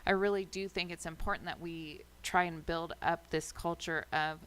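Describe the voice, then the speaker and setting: A woman's voice: lowish voice, fairly even intonation, normal speed, fairly bright tone. An American woman speaking as a mayor, chairing a public meeting and giving her remarks. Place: city council chamber.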